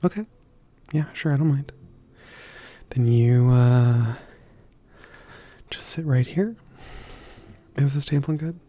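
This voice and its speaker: Slow, mellow, gently hesitant kind stranger played by a man. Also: mid-range voice. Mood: warm, attentive. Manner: gentle, hesitant, softly chuckling, halting with thinking pauses. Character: kind, slightly awkward young man, gentle stranger befriending you. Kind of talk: ASMR roleplay, soft casual conversation.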